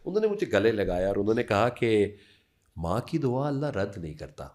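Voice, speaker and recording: A man's voice: fairly low pitch, sing-song, a little mellow. A man from Pakistan in his fifties, a university lecturer telling personal stories as a podcast guest, mixing in English phrases. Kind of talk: anecdotal storytelling.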